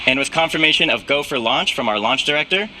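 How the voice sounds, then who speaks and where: A man's voice: fairly high pitch, animated, fast. A man giving live, explanatory commentary as host of a rocket launch webcast. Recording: clear background noise.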